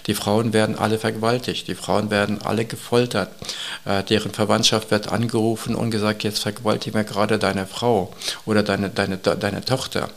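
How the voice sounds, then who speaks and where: A man answering interview questions as an expert guest, earnest and urgent, with measured phrasing and frequent hesitations. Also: lowish voice, level tone, gravelly.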